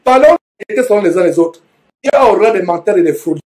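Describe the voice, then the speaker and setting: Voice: mid-range voice, lively intonation, quick pace, darkish tone. A preacher teaching verse by verse from the Bible, reading each passage aloud and then explaining it with repetition and frequent self-corrections.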